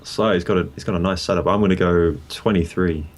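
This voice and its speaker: A man co-hosting a casual chat, giving blunt, quick opinions on desk setups. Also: low voice, steady tone. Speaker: co-host.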